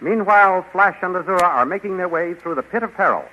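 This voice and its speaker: A man announcing a radio serial in a crisp, promotional, scripted manner. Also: high voice, animated, fast talker, sharp tone, a little hiss or hum. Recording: muffled 1930s radio recording.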